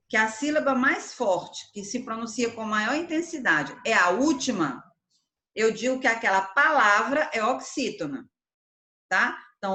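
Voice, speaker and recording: Bright-voiced woman teaching a grammar lesson. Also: fairly high pitch, reverberant. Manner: explanatory, asks and answers her own questions, frequent "tá?". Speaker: Portuguese teacher.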